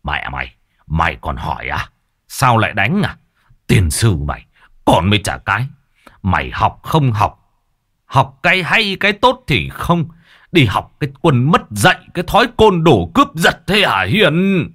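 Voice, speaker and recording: A man voicing a hot-tempered middle-aged father, barking gruff shouts. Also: mid-range voice, wildly swooping pitch, quick pace, dry recording, studio quality, pitched above the performer's own voice, heavily acted. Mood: raging.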